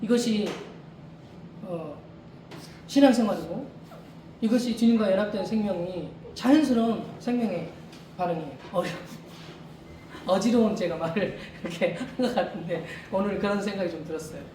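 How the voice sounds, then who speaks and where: A man's voice: high voice, moderate pace, pauses often, mellow. A man preaching an informal sermon as a missionary, talking conversationally, repeating rhetorical questions, chuckling and restarting his sentences, in a church during a service. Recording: echoey room, far mic, faint noise.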